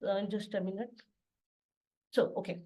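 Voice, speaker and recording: A middle-aged woman from Pakistan, an assistant professor, gives an online lecture over a video call, explaining plainly with frequent pauses. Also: mid-range voice, steady tone, warm tone. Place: home study with bookshelves behind.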